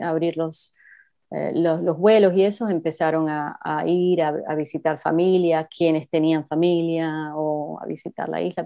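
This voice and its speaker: Low, mellow woman with a mixed Cuban-Argentine accent. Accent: mixed Cuban and Argentine Spanish. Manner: hesitant, many fillers, mixes in English phrases. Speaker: interview guest. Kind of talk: casual conversation. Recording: dull lo-fi recording.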